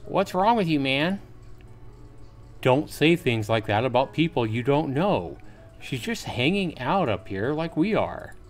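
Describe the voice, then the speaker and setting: A man's voice: medium pitch, sing-song, a little slow, pitched above the performer's own voice. A man voices a withdrawn teenage boy from a visual novel. He is earnest and awkward, protective of others yet unsure of himself. Faint music plays behind the voice. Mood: defensive.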